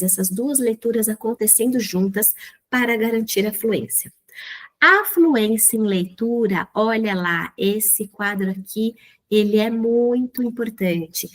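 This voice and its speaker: Woman, Brazilian accent, mid pitch, didactic trainer voice for a slide lesson. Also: measured pace. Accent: Brazilian Portuguese. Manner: didactic, asks the audience questions, frequent "né". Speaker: teacher trainer.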